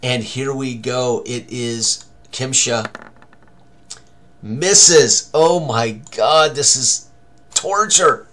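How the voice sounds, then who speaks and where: A man's voice: mid-range voice, very slow, fairly bright tone. An older man thinking aloud as game master, narrating a tabletop combat tutorial with dramatic turns of phrase. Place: small room indoors at a computer.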